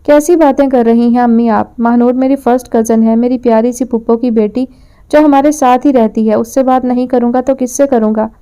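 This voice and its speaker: A woman's voice: a little high, fairly even intonation, warm tone, smooth, lightly acted. A woman reading an audio novel, voicing a sly young man who coaxes and teases. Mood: pleading.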